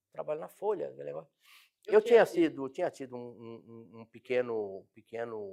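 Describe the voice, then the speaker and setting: A man's medium-pitched voice at a fairly quick pace, with very wide pitch swings and big swings in loudness. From Brazil, São Paulo. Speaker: advertising sales professional. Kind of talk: interview. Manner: halting, many repetitions and fillers.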